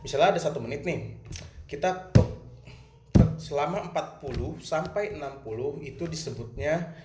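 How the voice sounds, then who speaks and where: Here the Jakarta-accented teacher sounds a little high and brisk as he plainly explains a music lesson, asking questions and supplying the answers. The audio is very noisy, roomy, and carries faint ambience in this recorded lesson for students.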